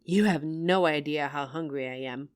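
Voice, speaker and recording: A woman's voice: sits low, moderate pace, smooth, close to an everyday voice. A woman playing a loving, teasing working wife, tired after work, in an affectionate roleplay addressed to the listener. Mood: playful, contented. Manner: affectionate, playful, expressive.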